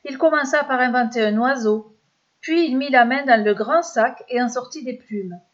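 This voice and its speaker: A woman narrates a serialized children's myth with expressive, measured storytelling. Her voice sits fairly high. The recording sounds dull and lo-fi.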